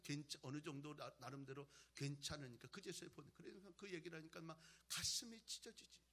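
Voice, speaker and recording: A male pastor preaching a sermon, moving between loud exhortation and quiet, conversational storytelling. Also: a little high, brisk.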